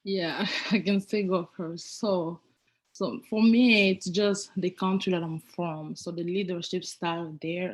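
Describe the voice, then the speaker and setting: A woman's voice: lowish voice, slight background noise, poor audio. Woman from Congo, searching for words. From Democratic Republic of the Congo. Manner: searches for English words, restarts phrases. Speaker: student ambassador. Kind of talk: panel self-introduction.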